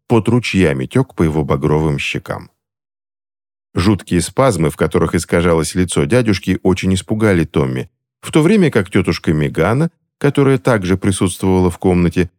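Brief: male audiobook narrator, bass, highly expressive, theatrical. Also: moderate pace. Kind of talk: scripted narration.

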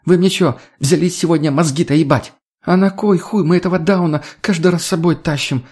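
A man's voice: a little high, lively intonation, a little fast, darkish tone, husky, pitched above the performer's own voice. A man voicing a bossy woman who barks orders at her companions. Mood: exasperated. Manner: barking orders. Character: bossy commanding woman leading the group.

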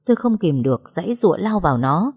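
A woman narrates a first-person story with a measured, dramatic delivery. Her voice sits on the low side for a woman. The reading is steady and deliberate. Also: husky.

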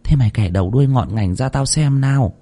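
A man's voice: mid-range voice, expressive, fast talker, mellow, close to an everyday voice. A man voicing a brusque, cursing older village woman healer in a spoken horror story. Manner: scolding, cursing, barking orders.

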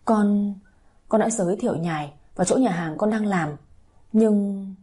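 A woman's voice: mid-range voice, unhurried, warm tone, slightly rough. A woman voicing a remorseful young woman, tearful and pleading. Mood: pleading, sobbing. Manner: tearful, pleading then bitter. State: crying.

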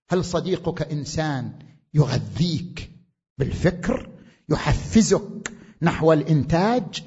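A male preacher giving a sermon, speaking emphatically, rising to loud proclamations and asking his listeners questions. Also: high-pitched, husky, dull audio. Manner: asks the audience questions. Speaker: Shia preacher.

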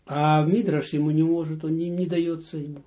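A man's voice: a little high, flat delivery, normal speed, mellow. A man, a rabbi, giving a spoken lesson, reading short lines aloud and then explaining them step by step. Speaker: rabbi teaching a text. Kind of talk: slow spoken Torah lesson. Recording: dull lo-fi audio lesson recording.

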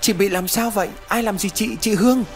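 A man's voice: on the high side, expressive, brisk, over music, pitched above the performer's own voice, lightly acted. A man voicing a frightened young woman, speaking in an anxious, urgent way. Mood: panicked. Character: frightened young woman searching for her sister.

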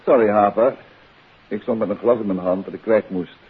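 A Dutch actor playing a composed, wry gentleman detective in a 1950s radio play, on an old recording. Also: lowish voice, fairly quick, breathy edge, narrow, tinny audio. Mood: composed, courteous.

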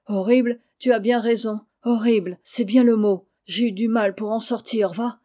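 Storybook orphan boy, impulsive and pleading, read by a woman, mellow tone. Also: on the high side, steady tone, moderate pace, close to an everyday voice. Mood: excited. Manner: eager, pleading.

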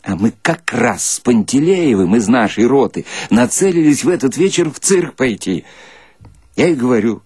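A man's voice: medium pitch, expressive, normal speed, a little mellow, husky, no echo, clean studio sound. A man playing a naive, illiterate soldier who tells a comic story in a folksy, colloquial, simple-hearted way. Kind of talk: dramatic reading of a comic short story.

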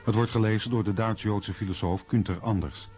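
A man's voice: lowish voice, steady tone, a little fast, a little mellow. A man reading scripted documentary narration. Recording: dull, lo-fi radio documentary sound. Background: faint music.

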